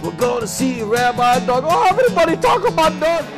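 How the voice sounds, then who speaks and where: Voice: high-pitched, very animated, brisk, over music. A singer performing a cheerful sing-song promo jingle. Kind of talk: sung jingle.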